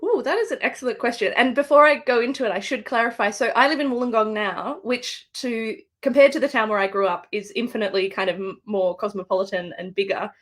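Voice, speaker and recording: A woman's voice: a little high, fast talker, few pauses, a bit bright. An Australian woman, an author, speaking thoughtfully with fillers and restarts in a live book interview over a video call. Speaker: guest author.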